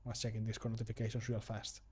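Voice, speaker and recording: A man's voice: lowish voice, completely flat delivery, racing, darkish tone, breathy edge. A man in his thirties chatting casually on a livestream in a jokey, self-deprecating, sweary way. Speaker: streamer recording mod voice lines. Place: indoor home room.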